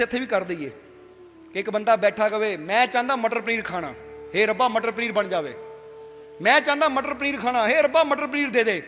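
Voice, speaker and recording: A man's voice: extremely high pitch, sharp tone. A man from Punjab, India, preaching a sermon with homely examples, repeating key phrases and asking his listeners questions. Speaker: spiritual preacher. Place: large hall of a religious gathering. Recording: long hall reverb with faint music.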